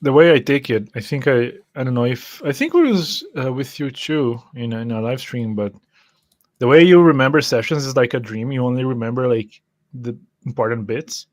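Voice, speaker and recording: A man's voice: mid-range voice, normal speed, a little mellow, no room sound. A man in a casual chat, explaining his point and checking in with listeners as he goes.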